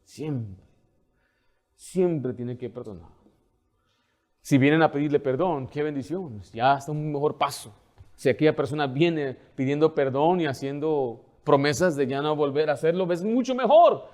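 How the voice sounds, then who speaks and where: A man preaches a sermon in a fairly high voice. He throws out questions and answers them himself, and shifts between quiet asides and loud, pressing exhortation. He slows down to read scripture aloud. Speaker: pastor.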